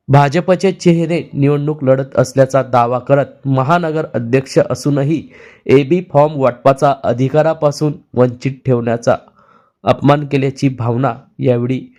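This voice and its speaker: A man, a news reporter, reading a scripted report in a measured, formal way. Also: medium pitch, darkish tone.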